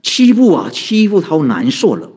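A man's voice: fairly high pitch, wildly swooping pitch, moderate pace, darkish tone, husky. A man, a Buddhist monk giving a conversational dharma talk, asking rhetorical questions and answering them, chuckling often. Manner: chuckles often, heavy use of sentence-end particles.

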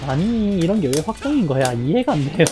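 A woman streaming her own fighting game match, calling the play and breaking into loud cries and laughs. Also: fairly low pitch. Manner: reads viewer chat aloud. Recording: game music playing loudly behind.

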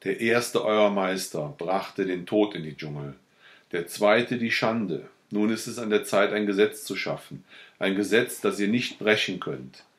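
A man's voice: on the low side, measured pace, lightly acted. A man reading a story aloud and voicing a commanding primeval male god of the jungle in a solemn tone. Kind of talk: audiobook reading.

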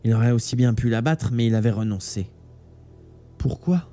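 A man reading a novel aloud live, with steady, dramatic storytelling. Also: medium pitch, normal speed. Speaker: audiobook reader. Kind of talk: live audiobook narration. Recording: faint background music.

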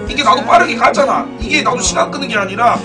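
Brief: high, swooping male streamer, loud and excitable, mic set back with game music playing. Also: fast talker, recorded from a distance. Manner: excitable, loud outbursts, frequent swearing. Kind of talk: casual live-stream commentary.

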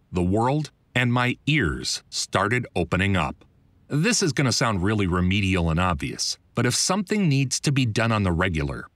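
Animated, low-voiced American man narrating. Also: dry recording, clean studio sound. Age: middle-aged. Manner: wry, conversational, emphatic. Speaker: author reading his own audiobook. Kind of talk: scripted first-person audiobook narration. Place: close, dry studio recording.

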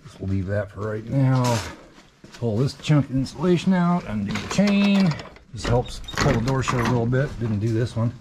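A man's voice: medium pitch, big pitch swings, normal speed, background noise. A middle-aged man, giving a rambling, plain-spoken update while walking around his farmyard with an action camera. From central Iowa. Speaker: vlogger, farm shop owner. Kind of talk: casual walk-around update. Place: outdoors on a farmyard in winter, also inside a shop.

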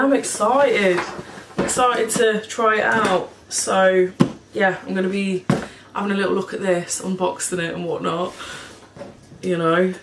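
Here a cleaning vlogger's medium-pitched voice comes through a bit hoarse, with a froggy throat. She chats and rambles to the camera at table height in her indoor home kitchen, now and then swearing or laughing. Echo and background noise fill the recording.

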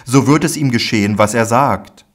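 A man voicing a calm, commanding male teacher in a solemn, measured way, in a Bible audiobook. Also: medium pitch, natural voice.

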